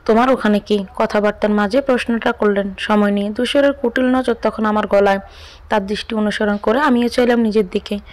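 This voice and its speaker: A woman's voice: medium pitch, fairly even intonation, a little fast, darkish tone. A young woman narrating a scripted first-person audio story expressively.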